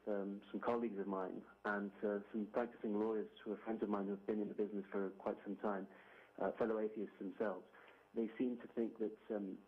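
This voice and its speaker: A man from Greece who lives in the UK, calling in with a question, hesitant and full of fillers and restarts, heard over a phone line. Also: fairly low pitch. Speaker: caller. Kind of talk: call-in question. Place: Glasgow, UK.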